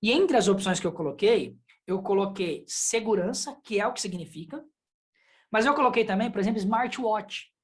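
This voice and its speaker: A woman's voice: mid-range voice, expressive, normal speed. A woman from Brazil, a sign language teacher, giving a casual online lesson and explaining with chatty examples and asides.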